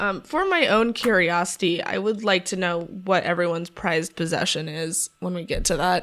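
Over noticeable background noise, a woman with an American accent talks with fairly even intonation and hardly any pauses. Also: fairly low pitch for a woman, moderate pace. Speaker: podcast host. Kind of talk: casual comedy chat and game session.

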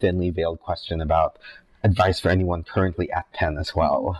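This man's voice is very deep and low, somewhat breathy, and delivered in a monotone with flat intonation. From Filipino-American. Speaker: podcast host. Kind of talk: casual interview. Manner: casual, filler-heavy.

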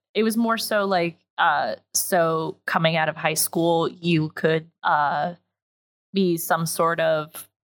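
At a very slow pace, a woman speaks in a fairly low voice with very even loudness. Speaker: podcast host. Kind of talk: casual chat; show outro and credits. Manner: hesitant, many fillers.

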